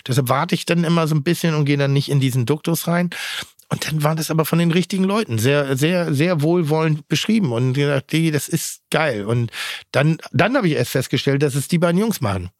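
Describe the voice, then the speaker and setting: A middle-aged man from northern Germany, a chef, talking as a podcast guest in a halting, blunt way with many restarts. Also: on the high side, no echo, clean studio sound. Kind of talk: casual podcast chat.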